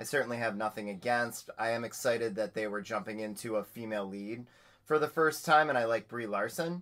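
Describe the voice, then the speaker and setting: A plain, everyday voice from a man, medium in pitch, with ordinary pitch variation and a fairly quick pace. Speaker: podcast co-host. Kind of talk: casual chat.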